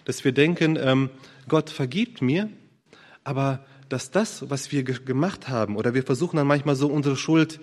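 A man preaching a sermon in an earnest, thoughtful way, feeling for his words with pauses and restarts. His mid-pitched voice carries a long reverb from a church hall. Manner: earnest, searching, with fillers and restarts.

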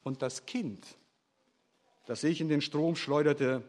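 A man preaching in a sermon, voicing a grave male companion who turns out to be an angel, speaking quietly and solemnly. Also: fairly high pitch, slow pace, in a large hall. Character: mysterious male companion revealed as angel, stern. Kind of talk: sermon storytelling.

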